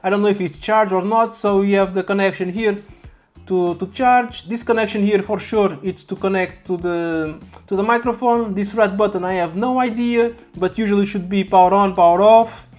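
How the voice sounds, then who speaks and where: Halting unboxing vlogger over music. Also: medium pitch, fairly even intonation, darkish tone. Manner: halting, repeats words. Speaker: YouTube vlogger. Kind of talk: casual unboxing commentary. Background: background music.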